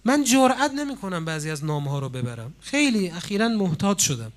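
A man preaching a sermon with passion, pausing for drama and swinging suddenly between loud and quiet. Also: sits high, very animated. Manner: impassioned, with dramatic pauses and sudden swings in loudness. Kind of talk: religious sermon.

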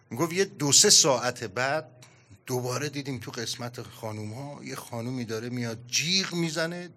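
Bright-voiced man telling a sermon story. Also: mid-range voice. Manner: animated storytelling, acting out quoted dialogue. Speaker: preacher.

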